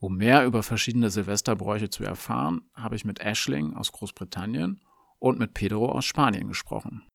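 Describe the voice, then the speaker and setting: A man presenting a language lesson, explaining in a calm, clear scripted dialogue. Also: fairly low pitch, normal speed, no echo, studio quality.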